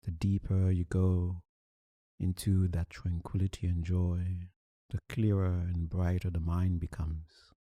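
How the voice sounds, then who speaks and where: A male meditation teacher guides a meditation, speaking calmly and soothingly with long, deliberate pauses. His voice sits low, and there is no echo.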